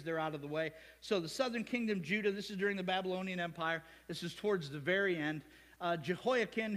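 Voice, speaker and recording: A male pastor with an American Midwest accent preaches in a church sanctuary, his voice pitched high for a man. He is animated, cracking jokes and asides to the congregation. The sound carries a long hall reverb. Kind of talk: sermon.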